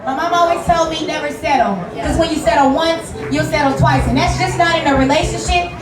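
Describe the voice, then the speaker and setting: A woman's voice: sits high, fairly even intonation, a little fast. A woman on a live stage panel giving emphatic, repetitive life advice. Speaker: panel guest. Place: large hall with live audience. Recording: echoey hall, distant mic, crowd.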